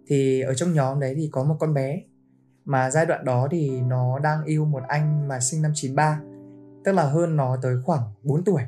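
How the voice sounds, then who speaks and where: A woman hosting a casual podcast, telling a story about a friend with lively quoted lines. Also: low-pitched. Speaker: podcast host.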